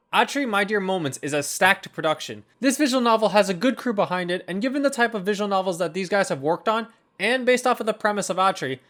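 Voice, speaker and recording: A video game reviewer and host reads a scripted first-impressions narration, sounding enthusiastic and opinionated. The voice is mid-range and a bit bright, with guitar and instrumental music behind it.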